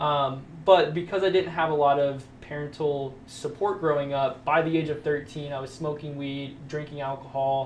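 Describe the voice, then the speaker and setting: In a room with audible echo, a man with an American accent speaks at a moderate pace, somewhat breathy and fairly high in pitch, his intonation fairly even. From US Midwest. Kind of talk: interview. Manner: halting.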